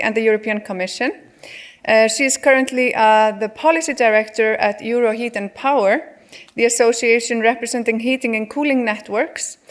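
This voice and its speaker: A woman moderating a conference session, reading a formal introduction of the next speaker in a steady manner. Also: a little high.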